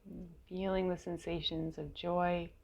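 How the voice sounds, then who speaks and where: Creaky-voiced woman guiding a meditation, even tone. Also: lowish voice, muffled recording. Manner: gentle, unhurried, with long pauses between short phrases. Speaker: meditation guide. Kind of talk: guided meditation, slow and soothing.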